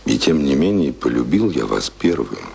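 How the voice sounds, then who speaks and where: An actor playing an idealistic, stubborn young ex-sailor turned writer in a Russian radio play, speaking in an impassioned manner. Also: male voice, extremely low pitch, big pitch swings, moderate pace, creaky, dark tone, full character voice. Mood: tender, lovestruck. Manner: impassioned, swings from tender to vehement. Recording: music behind, studio radio play.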